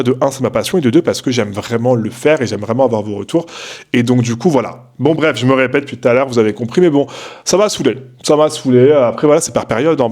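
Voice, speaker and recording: A man's voice: mid-range voice, darkish tone. A young man in a casual late-night vlog, rambling in a slangy way with many fillers and restarts, talking from home. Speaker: content creator.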